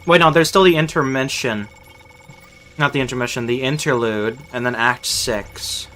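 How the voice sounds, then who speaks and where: Bright-voiced man streaming games. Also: mid-range voice, normal speed, a little hiss or hum. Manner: playful, rambling, repeats phrases. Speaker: video game streamer. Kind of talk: casual livestream gameplay chat. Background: faint game music.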